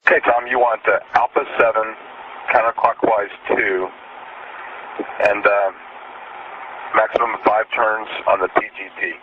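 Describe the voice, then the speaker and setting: A man speaks through a thin, crackly radio link that sounds like a spaceship communicator. His delivery is clipped and businesslike, and his voice sits a bit low. Faint static hums under every call. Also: little pitch movement, measured pace, pauses often. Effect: narrow, crackly radio loop like a spaceship communicator. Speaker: mission control radio communicator. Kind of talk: terse procedural radio calls.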